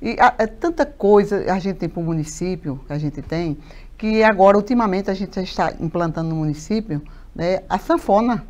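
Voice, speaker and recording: A woman's voice: mid-range voice, brisk. A woman, a mayor talking animatedly as a guest in a TV studio interview, with many fillers and repeated words. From Paraíba, Brazil. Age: 50s. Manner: animated, gestures a lot, many fillers and repetitions. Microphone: lapel mic.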